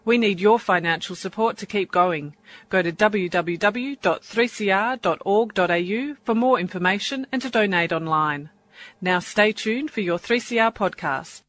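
Female announcer, scripted promo read, steady and plain. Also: mid-range voice, normal speed. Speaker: station announcer.

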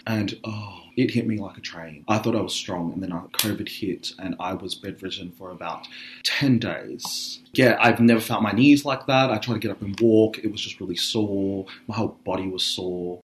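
A man with a raspy voice, a drag artist speaking candidly in a relaxed interview and thinking aloud as he goes. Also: fairly low pitch, normal speed, slight background noise. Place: radio studio.

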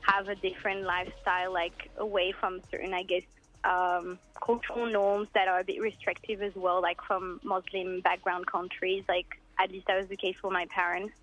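A woman's voice: fairly low pitch, flat delivery, moderate pace, a bit bright, soft background music. A woman from France, a musician guest chatting casually in an interview, rambling with lots of filler words. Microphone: phone. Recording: dull phone-call line.

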